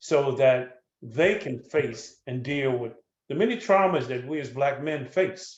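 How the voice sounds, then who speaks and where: A man's somewhat breathy, fairly high-pitched voice at a fairly slow pace, with lively intonation and big swings in loudness. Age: 70s. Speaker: educator. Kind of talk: webinar panel talk.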